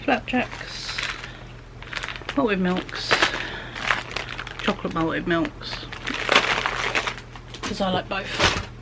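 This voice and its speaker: A woman's voice: fairly low pitch, extremely slow, creaky, pauses often. A woman, chatting casually through a grocery haul at home, with plenty of ums and a slight hay fever wheeze. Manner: chatty, many ums, drifts into soft half-whispers. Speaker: vlogger. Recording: background noise.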